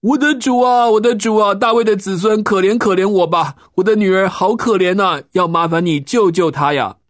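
A frantic mother wails and begs in a high, strained voice, as a male storyteller puts her on. Her cries sit far above a man's usual pitch and ring out loud. The storybook reading is dry and close. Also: normal speed, dry recording, natural voice. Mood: pleading. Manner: wailing, begging cries. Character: desperate pleading foreign mother, middle-aged woman.

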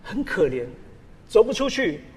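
A man preaching a sermon as a pastor, animated and full of rhetorical questions. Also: sits high, a little slow, slightly rough, in a large hall.

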